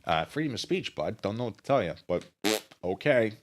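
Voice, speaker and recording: Sarcastic, lively-pitched man streaming. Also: fairly quick. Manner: sarcastic, rambling, mock-petty. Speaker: live streamer. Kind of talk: casual stream commentary.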